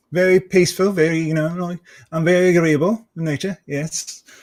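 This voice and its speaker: Using a put-on character voice, a man sounds nasal and high-pitched, with monotone, flat intonation at a fairly quick pace. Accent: New Zealand. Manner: peaceful, agreeable.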